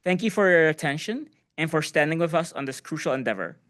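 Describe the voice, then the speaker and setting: A man's voice: a little high, lively intonation, quick pace, a bit bright. A man reading out a translated public speech as an interpreter.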